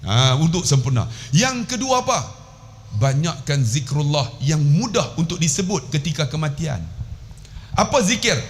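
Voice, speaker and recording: A man's voice: a little high, moderate pace. A Malaysian man giving a sermon in a small mosque hall, telling stories animatedly and acting out the voices of the people in them. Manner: lively storyteller, acts out voices and laughs. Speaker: preacher.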